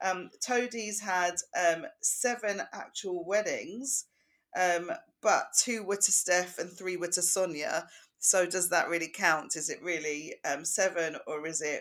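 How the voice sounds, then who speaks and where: A woman speaks fairly slowly in an unremarkable speaking voice, at medium pitch with ordinary pitch variation. The recording is very clean, with a silent background. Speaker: comedian and podcast co-host. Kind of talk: casual chat.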